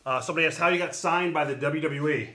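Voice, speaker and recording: A man runs a live signing stream, rattling off prices to viewers in upbeat salesman patter. His voice is bright and slightly high, and the room around him sounds echoey. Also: quick pace.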